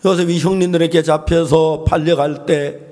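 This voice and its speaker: A man preaching a sermon in church as pastor, telling stories and acting out the voices in them, often clearing his throat. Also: a little high, fairly even intonation, moderate pace, mellow. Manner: storytelling, acting out the voices of the people in his story.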